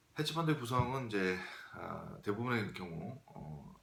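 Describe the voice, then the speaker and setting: A man's lively intonation rings with audible room echo. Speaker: hedge fund manager. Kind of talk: lecture. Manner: fast; halting.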